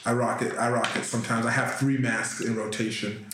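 A man hosting a casual radio interview speaks in a mid-range voice, upbeat and full of slang. He keeps tossing in quick affirmations. His voice rings out in a very echoey room. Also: mid-range voice, level tone, background noise. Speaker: radio host.

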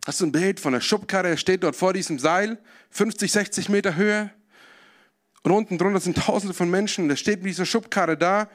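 Male preacher, high voice, vivid storytelling sermon that speaks straight to the audience. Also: fairly quick. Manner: vivid, addresses listeners directly.

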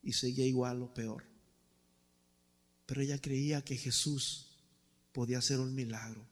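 A man's voice: mid-range voice, steady tone, moderate pace. A man preaching a sermon with impassioned storytelling, speaking directly to the congregation. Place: church. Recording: echoey church hall.

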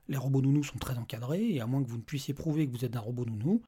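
A man voicing a calm male robot official who speaks in an even, detached, bureaucratic way with a husky voice. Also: mid-range voice, quick pace, lightly acted.

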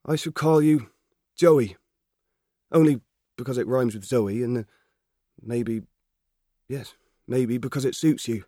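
A man's voice: mid-range voice, measured pace, long pauses, no echo, clean studio sound, pitched above the performer's own voice, close to an everyday voice. A man voicing an eager, earnest thirteen-year-old farm boy in a storybook reading. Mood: gentle. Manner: excited, gentle, earnest. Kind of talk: audiobook character voice.

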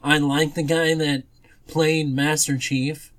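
A man's voice: fairly high pitch, level tone, slow, fairly bright tone. A man co-hosting a podcast, chatting casually and giving opinions in a conversational way. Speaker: podcast co-host. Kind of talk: casual chat.

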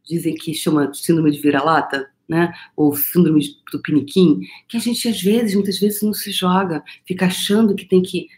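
A middle-aged Brazilian woman talks to her followers in a loose, unscripted monologue. She coaches on energy work in an animated way. She asks herself questions and answers imagined doubts as she goes. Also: fairly low pitch, normal speed, few pauses. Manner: animated, rhetorical, voices imagined objections.

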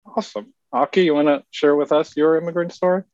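A man born in South Korea hosting a podcast, speaking in a measured, polished way. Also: on the high side, fairly even intonation, darkish tone, no echo. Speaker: podcast host. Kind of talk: scripted podcast intro and chat. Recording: slightly dull lo-fi audio.

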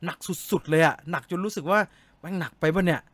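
A man with a high, bright voice chats casually with his live-stream viewers, reading their comments aloud and answering with jokes. His voice sits close to the mic in a dry, deadened space. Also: fast, no room sound. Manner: chatty, joking, reads comments aloud and answers them.

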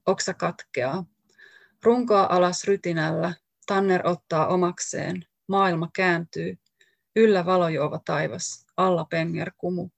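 Woman author, low and gravelly, gives a poetry reading in measured short phrases, dry close sound. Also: steady tone, no room sound. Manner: slow, deliberate recitation of short lines. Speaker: author reading her own work.

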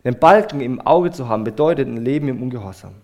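A man preaching a sermon, earnest and emphatic, speaking straight to his listeners and letting many phrases fall quiet at the end. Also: mid-range voice, lively intonation, quick pace.

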